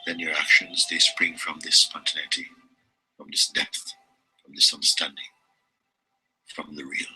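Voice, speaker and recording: A man giving a slow, meditative reading of spiritual teachings, measured and deliberate, with long pauses. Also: a bass voice, flat delivery, pushed and bright, faint music behind, low-quality recording.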